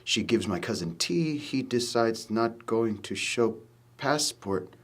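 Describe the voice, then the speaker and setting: An actor reading a letter as a grieving man, quiet, in broken English. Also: medium pitch, expressive, slow pace. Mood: somber.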